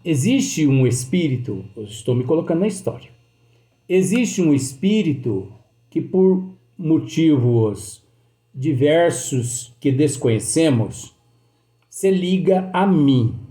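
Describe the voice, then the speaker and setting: A man with a Brazilian Portuguese accent who teaches in a slow study talk, reading passages aloud and explaining them again with many fillers. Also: a little high, lively intonation, mellow, reverberant. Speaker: spiritist teacher.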